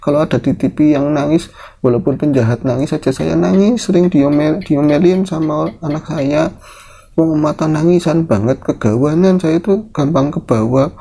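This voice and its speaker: Casting: a man doing a fussy old granny seller, high and emotional, soft dark tone. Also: normal speed, vocal fry, husky. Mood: fretful. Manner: high, emotional, repetitive fussing. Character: chatty old village woman porridge seller, weepy.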